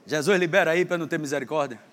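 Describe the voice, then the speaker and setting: A man's voice: on the high side, racing, fairly bright tone. A man preaching to a congregation, joking and teasing a volunteer as he acts out a lesson on stage. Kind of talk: playful sermon with a stage demonstration. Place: church hall with a congregation. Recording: long hall reverb, faint background noise.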